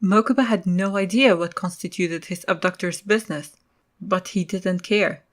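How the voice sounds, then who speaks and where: A woman's voice: on the low side, normal speed. A woman reading scripted third-person story narration for an audio drama.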